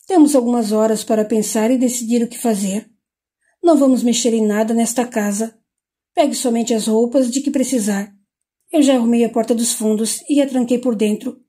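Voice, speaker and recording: A woman with a Brazilian Portuguese accent reading the lines of a calm, firm male psychologist in a measured, steady way. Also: a little high, natural voice.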